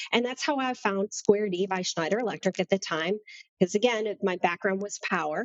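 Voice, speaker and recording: It is a normal speaking voice with ordinary pitch variation. The pace is fairly quick. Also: woman, medium pitch for a woman. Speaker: regional sales director in industrial automation. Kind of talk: casual interview chat.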